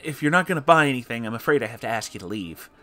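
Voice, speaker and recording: A man's voice: mid-range voice, expressive, racing, sharp tone, faint music behind. A man voicing a nervous young woman who manages a shop, polite but uneasy and hesitant, in a story reading. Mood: nervous, firm. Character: nervous young female game store assistant manager.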